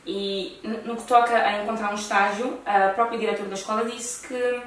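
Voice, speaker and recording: Her voice is mid-range and steady as she talks briskly: a woman with a European Portuguese accent hosting a talk show and chatting casually with a friend. The recording comes from a distant mic in a very echoey room.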